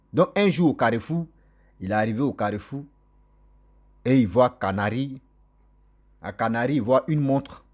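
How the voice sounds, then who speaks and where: A man, not a native French speaker, tells a story to his viewers in a lively, repetitive, chatty way. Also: mid-range voice. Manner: animated, repetitive, warm direct address to viewers. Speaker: storyteller vlogger. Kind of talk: casual spoken storytelling.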